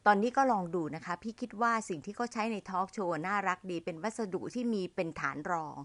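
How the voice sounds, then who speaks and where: A middle-aged woman teaching how to host events in a friendly spoken lesson, slowing down to model English phrases with a Thai accent. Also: mid-range voice, a bit bright, no room sound. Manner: friendly, addresses listeners as younger siblings, slows to model English phrases. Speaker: MC trainer teaching younger listeners.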